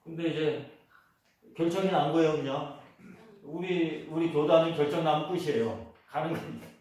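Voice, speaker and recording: A man's voice: on the high side, moderate pace, darkish tone. A man preaching a sermon as a pastor, telling a personal story and leading the congregation in repetition. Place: church. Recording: echoey church hall, voice from a distance.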